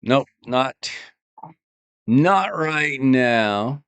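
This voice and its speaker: Slow-talking man streaming a game. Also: medium pitch, clear, resonant tone, dry recording. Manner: relaxed, thinking aloud while playing. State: losing his voice. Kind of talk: casual live-stream commentary.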